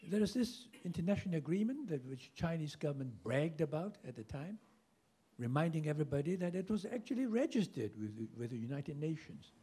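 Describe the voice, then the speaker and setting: Older man on a panel, husky voice, wry rhetorical questions, lively ups and downs. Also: on the high side. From Hong Kong. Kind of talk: panel discussion remarks. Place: conference room with a seated audience. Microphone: handheld mic.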